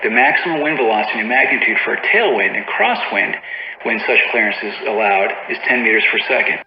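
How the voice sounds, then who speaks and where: A man's voice: fairly low pitch, brisk. Male tutorial narrator, procedural and matter-of-fact, reading from a script; lo-fi, echoey sound. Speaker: tutorial narrator for a flight simulator. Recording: dull, roomy lo-fi audio with faint noise.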